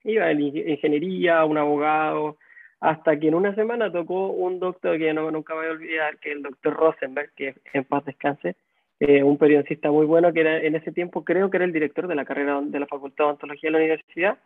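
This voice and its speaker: A man's voice: a little high, fairly even intonation, fast talker, dry recording. A dentist from Chile with a Chilean accent, a man telling his story in a laid-back, chuckling way over a video call. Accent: Chilean Spanish. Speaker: dentist guest. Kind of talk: casual interview storytelling. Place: home or office in a high-rise, indoors. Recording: dry, tinny phone-like call audio.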